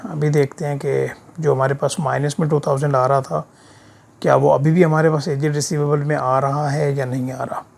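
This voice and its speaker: A man with a sore throat giving an informal step-by-step software tutorial, often checking that the learner follows with short tag questions. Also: a little high, flat delivery, normal speed, vocal fry. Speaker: instructor of an accounting software course. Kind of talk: screen-share tutorial, informal explaining. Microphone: voice-over of a screen recording.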